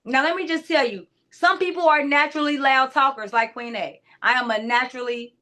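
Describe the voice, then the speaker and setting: A woman who works as a clarity coach talks straight to her listeners in a brisk, casual, emphatic motivational talk packed with asides. Her voice is naturally high-pitched and loud.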